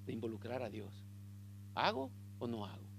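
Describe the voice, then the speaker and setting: A man preaching a sermon as pastor, telling a story in an animated way and calling his listeners brother. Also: medium pitch, normal speed, a little hiss or hum.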